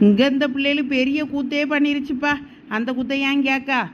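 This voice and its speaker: A woman's voice: high-pitched, flat delivery, fairly quick, dull audio, slight background noise, close to an everyday voice. A woman playing a fussing older relative in a village comedy skit. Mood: exasperated.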